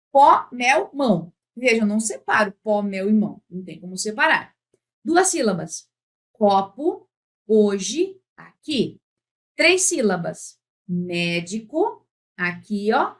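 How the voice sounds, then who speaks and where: A woman with a fairly high voice leads a grammar lesson for exam candidates. She stretches out each example word slowly and keeps checking that the listener is following. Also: fairly bright tone. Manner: patient, drawn-out words when giving examples; often checks in with "tá?". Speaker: Portuguese teacher.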